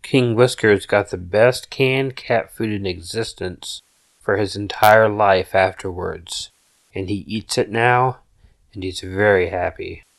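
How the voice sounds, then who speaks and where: A man reading a scripted scary story as a narrator, with deliberate storytelling delivery. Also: lowish voice, creaky.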